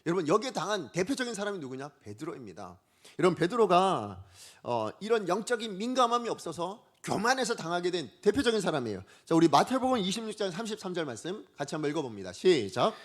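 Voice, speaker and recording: Animated high-pitched male pastor preaching. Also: fast talker. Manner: animated preaching with questions to the congregation. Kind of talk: sermon. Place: church sanctuary.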